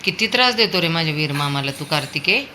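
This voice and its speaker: In this casual home video, a woman with a low, bright voice talks fast and forcefully, full of expression. She's the dog's owner, filming indoors, fondly scolding a small child and coaxing the pet dog while a fan whirs and the dog makes noise in the background.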